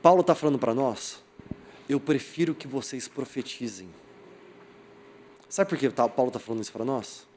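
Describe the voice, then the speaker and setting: A man's voice: mid-range voice, normal speed, long pauses, slight background noise. A young adult man from Brazil preaching a sermon, telling a funny personal story and acting out the voices of the people in it. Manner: animated storyteller acting out quoted voices, laughing at himself. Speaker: pastor.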